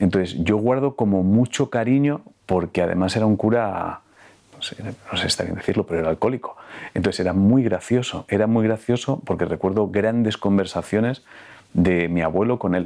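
A man talks at a moderate pace, his pitch fairly low with ordinary variation. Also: quiet background. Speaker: interview guest, comedian. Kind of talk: interview answer. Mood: warm, amused storytelling. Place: home room. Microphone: lapel.

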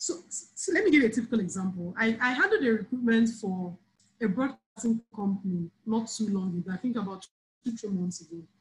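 A woman's fairly high, somewhat breathy voice with a Nigerian accent, fairly quick, with ordinary pitch variation. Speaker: HR professional; guest. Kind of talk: interview. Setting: video call. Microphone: video call.

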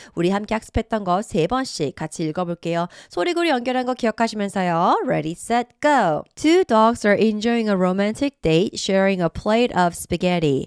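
Recorded very cleanly with a silent background and a dry, close sound with no echo, a woman uses an ordinary speaking voice at a moderate pace, medium pitch and lively intonation. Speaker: English teacher. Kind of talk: tutorial; reading aloud.

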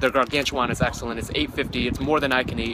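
Very fast speech with fairly even intonation, dry and echo-free, over noticeable background noise. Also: man. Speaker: food reviewer. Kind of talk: casual vlog review. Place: street. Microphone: phone near.

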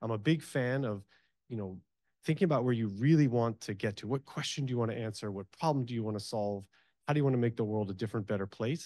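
A man with a dark, mellow tone speaks at a very fast pace with ordinary pitch variation. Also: dry sound with no echo. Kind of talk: public remarks at a workshop. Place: hall. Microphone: handheld.

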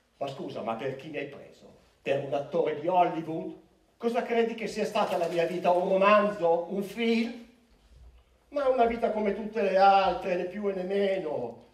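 Man's voice with lively intonation and big swings in loudness at a moderate pace, with audible room echo against a quiet background. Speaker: stage actor. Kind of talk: theatrical monologue. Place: stage.

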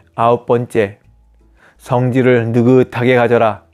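A man speaks at a medium pitch and a very slow pace. Music plays in the background. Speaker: channel host. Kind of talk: reading a list of life advice.

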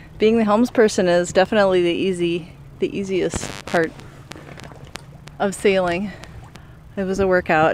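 A woman's fairly low voice at a moderate pace, dry sound with no echo, and light background noise. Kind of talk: casual vlog chat. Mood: relaxed, proud, happy. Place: boat. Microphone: phone near.

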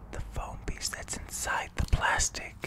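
A man is whispering. His pace is fairly slow. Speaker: ASMR creator. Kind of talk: ASMR video narration to camera. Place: empty room. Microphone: studio mic.

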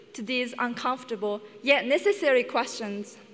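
A woman speaks at a moderate pace. Her pitch is high and her tone fairly bright.

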